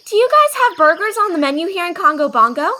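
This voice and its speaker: A woman's voice: extremely high pitch, sing-song, fast talker, pushed and bright, heavily acted. A woman playing a perky, inquisitive young female sightseer in a fan audio drama, with a bubbly manner. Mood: cheerful.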